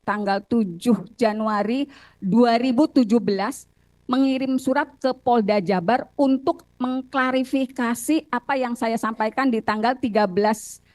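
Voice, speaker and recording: An Indonesian woman giving courtroom testimony as a witness and lawyer, recounting details haltingly with repeated phrases. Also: fairly high pitch, darkish tone, dry recording. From Cirebon, Indonesia.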